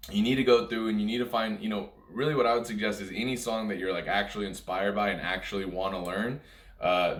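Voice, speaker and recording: A man's voice: deep voice, a bit bright. A man giving a casual music lesson, talking informally and ramblingly, often repeating his points. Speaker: music teacher. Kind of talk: casual instructional talk to camera. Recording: echoey room sound.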